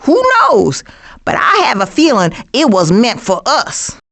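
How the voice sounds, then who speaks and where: A woman voicing a brash, streetwise female skunk in an animated video game, with an American accent and a sassy, blunt manner. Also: fairly high pitch, measured pace, heavily acted. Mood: sassy, wry. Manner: sassy, blunt, folksy slang.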